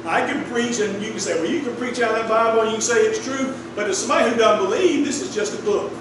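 A middle-aged male pastor with a high voice, preaching in an easy, storytelling way that draws replies from the pews. He is picked up from across a small wooden sanctuary, so the sound is very roomy and distant. A steady air-conditioner hum runs underneath. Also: fast talker. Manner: conversational storytelling preaching, asks the congregation for responses. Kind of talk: sermon. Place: small wood-paneled church sanctuary. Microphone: room mic from a distant camera. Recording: echoey room, distant mic, clear air-conditioner hum.

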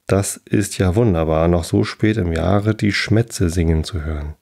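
Man as a greedy young farmhand in a storybook, low dark voice, eager. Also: unhurried, creaky, heavily acted. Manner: eager, wheedling questions.

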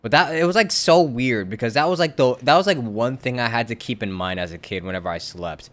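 A man doing casual live-stream commentary over a game, talking in a rambling, halting, conversational way. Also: mid-range voice, fairly bright tone.

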